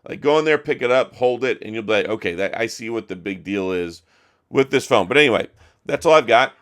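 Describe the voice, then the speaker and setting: A middle-aged man talks straight to camera in a loose, opinionated way, often restarting his sentences. His voice is hoarse and worn from days of talking. It sits a little low. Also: animated, brisk, a bit bright. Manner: chatty, opinionated, frequent restarts. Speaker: tech reviewer. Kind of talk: casual talk to camera.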